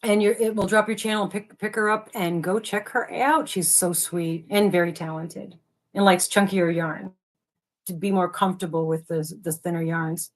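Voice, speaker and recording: A woman's voice: fairly low pitch, fairly even intonation, moderate pace. Chatty, hyper woman hosting a livestream. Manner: hyper, chatty, jumps between topics. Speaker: livestream co-host. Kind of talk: casual livestream chat.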